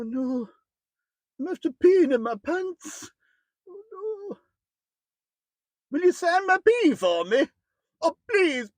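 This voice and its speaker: A man doing a panicky high-pitched scaredy-cat. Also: no echo, exaggerated voice. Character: frightened whiny man afraid of the dark.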